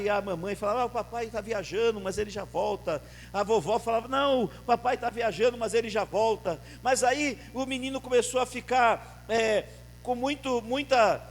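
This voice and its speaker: A man preaching a sermon as pastor, swinging from loud emphatic rises to a soft storytelling voice as he tells a story. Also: high-pitched. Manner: preaching with emphatic rises, then softly telling a story and voicing its characters. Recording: church hall reverb with faint mains hum.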